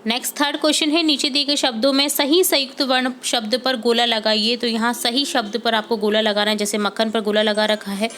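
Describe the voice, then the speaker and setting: Patient woman teacher, slightly high voice. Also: little pitch movement, a bit bright. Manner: patient, repeats words slowly and checks in with "ठीक है". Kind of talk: homework walkthrough lesson for young pupils.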